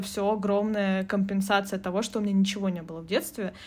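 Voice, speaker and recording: This woman speaks at a medium pitch with a Siberian accent. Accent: noticeably Siberian. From Siberia, Tomsk. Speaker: podcast co-host. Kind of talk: casual chat.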